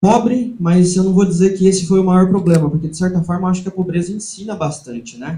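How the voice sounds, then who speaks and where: Pitched high for a man, his voice has a dark, mellow tone. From Brazil, Botucatu (São Paulo state). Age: 30s. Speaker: entrepreneur. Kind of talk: interview, personal life story.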